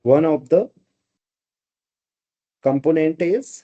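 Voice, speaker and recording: In a live online math class delivered in Hindi-English mix, a man with a fairly high, mellow voice explains things step by step at a very slow pace. He frequently checks that students are keeping up, and the audio sounds dull.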